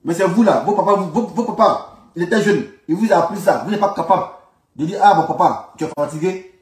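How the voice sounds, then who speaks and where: Ivorian man, higher-pitched, in an echoey room. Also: fairly quick. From Ivory Coast. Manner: emphatic, repeats phrases insistently. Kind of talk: informal political commentary. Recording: roomy echo, distant from the mic.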